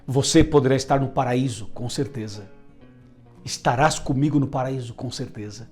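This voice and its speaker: Homem pregando com música suave. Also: male voice, medium pitch, moderate pace, a little mellow, faint music behind. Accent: Brazilian Portuguese. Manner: emphatic, repeats phrases for effect. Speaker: preacher. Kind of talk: sermon.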